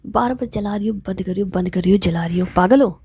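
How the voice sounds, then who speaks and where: A woman voicing a proud, sulky young woman in love, speaking softly in a half-whisper. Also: medium pitch, fairly even intonation, quick pace, gravelly, breathy edge, dry recording, studio quality. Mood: irritated. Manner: soft, half-whispered, sharp when annoyed.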